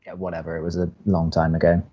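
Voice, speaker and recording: A man's voice: low-pitched, completely flat delivery, mellow. Man playing a prickly student radio co-host, muffled audio. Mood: flustered, hesitant. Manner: dry, exasperated, halting when flustered. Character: reluctant, prickly, easily flustered male college radio co-host. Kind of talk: romantic comedy audio drama banter.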